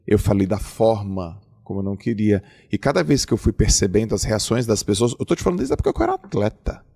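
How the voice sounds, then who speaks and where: A middle-aged man hosting a podcast, talking in an emphatic, animated, conversational way. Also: lowish voice, fast, creaky, husky. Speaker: podcast host. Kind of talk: casual conversation.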